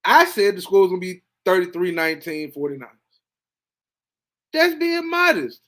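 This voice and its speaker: A man hosting a podcast, reacting casually to a football game, animated and talkative, dropping to low mutters and jumping to excited high bursts. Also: normal speed. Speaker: podcast host. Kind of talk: casual sports reaction monologue.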